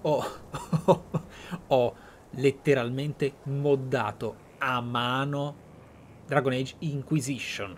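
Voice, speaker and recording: A man giving emphatic, dramatic let's play commentary with deliberate pauses. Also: medium pitch, a bit bright, a little hiss or hum. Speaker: gaming streamer, host.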